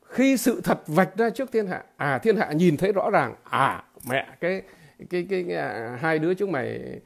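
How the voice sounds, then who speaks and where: A man giving a political commentary monologue to his viewers, halting and repeating filler words, emphatic and blunt. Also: a little high, lively intonation, gravelly. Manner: emphatic, with blunt crude imagery.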